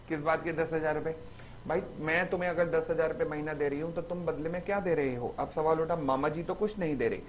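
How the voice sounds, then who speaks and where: A man teaching a recorded exam-revision lecture, acting out little stories and reading definitions slowly, word by word. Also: on the high side, slight background noise. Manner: lively, acts out little stories in the examples.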